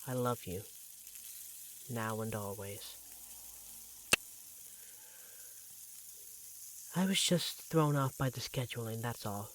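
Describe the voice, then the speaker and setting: Man playing a gently teasing vampire lover, noisy background. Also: mid-range voice, animated, a little slow, natural voice. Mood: tender, reassuring. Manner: tender, gently teasing, conversational. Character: affectionate vampire, lover of an angel, teasing and devoted. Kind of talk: scripted roleplay audio drama, one-sided conversation. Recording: clearly audible background noise, sizzling kitchen effects.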